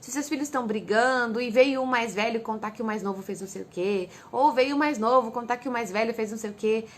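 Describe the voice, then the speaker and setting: A woman's voice: a little high, fast talker. A Brazilian woman with a Brazilian Portuguese accent, giving earnest parenting advice and acting out what children and parents say. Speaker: parenting educator.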